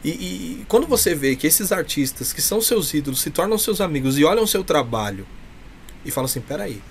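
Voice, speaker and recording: Swinging widely in pitch from a fairly high base, a Brazilian-accented clown talks fast and effusively as a casual interview guest. A little hiss or hum runs under the recording in a small indoor room with a cloth backdrop.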